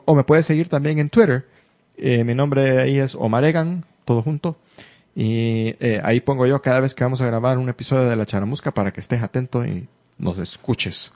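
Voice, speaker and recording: A man's voice: mid-range voice, a little mellow, no room sound. A man with a Salvadoran accent co-hosting a casual podcast, reading listener comments aloud and joking with English phrases mixed in. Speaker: podcast co-host.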